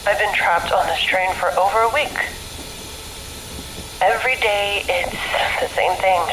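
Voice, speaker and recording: An actress plays a weary, analytical woman in an audio drama, keeping a journal while trapped on a train. Her voice sits at a middle pitch. It echoes through a noisy train car. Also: a little slow, natural voice. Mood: weary, uneasy. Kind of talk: audio drama acting, recorded journal monologue.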